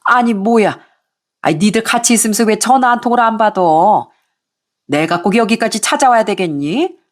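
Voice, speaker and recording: A woman voicing an angry middle-aged mother-in-law who scolds and nags in a shrill voice. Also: lively intonation. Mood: scolding. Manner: shrill, scolding, rapid nagging.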